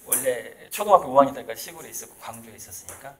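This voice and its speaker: Medium in pitch, expressive, and rapid-fire, this male artist and author from South Jeolla, Korea, talks casually and emphatically as an interviewee. It's a casual conversational lecture, with laughs scattered between his points.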